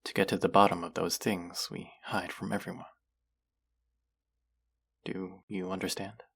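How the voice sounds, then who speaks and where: A man acting an earnest, gently wry thousand-year-old immortal in an intimate audio roleplay, speaking in a hesitant, confiding way. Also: sits low, level tone, measured pace, creaky, husky, heavily acted. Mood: hesitant confession. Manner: hesitant, confessional, softly reassuring.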